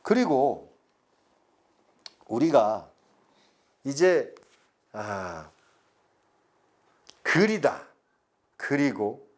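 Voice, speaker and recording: A middle-aged man, giving a recorded lecture slowly and deliberately, stretching words and pausing. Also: a little high, darkish tone. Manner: slow, deliberate explanation with drawn-out words and pauses.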